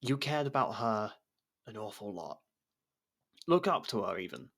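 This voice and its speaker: A man acting a guarded, blunt convict who helps with an investigation, in a conversational ASMR roleplay with hesitant pauses. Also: on the low side, lively intonation, creaky, a bit bright, full character voice. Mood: subdued, bitter. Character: jailed man helping an investigator, guarded, blunt, wryly supportive. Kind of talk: ASMR roleplay audio drama.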